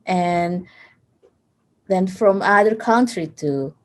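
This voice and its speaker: A woman with a strong East Asian accent who speaks English as a second language, asking casual questions haltingly as a language student. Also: fairly low pitch. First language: non-native English speaker. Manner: halting, searching for words.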